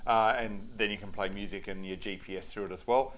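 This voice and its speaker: A man's voice: fairly low pitch, steady tone, brisk, a bit bright, slight background noise, rough recording. An Australian man giving a casual product review as a motorcycle gear reviewer, plain-spoken and matter-of-fact.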